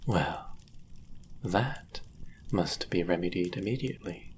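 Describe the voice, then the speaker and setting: A man playing a powerful, devoted demon bound to a sorcerer in an intimate audio roleplay, speaking formally and deliberately with a gravelly voice. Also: low-pitched, expressive, a little hiss or hum. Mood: adoring, hungry. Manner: formal, old-fashioned wording, deliberate.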